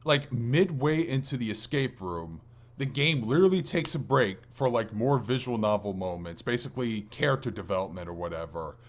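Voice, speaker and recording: A man co-hosting a podcast, chatting casually about video games in a rambling, halting way that often restarts. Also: mid-range voice, expressive. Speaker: podcast co-host.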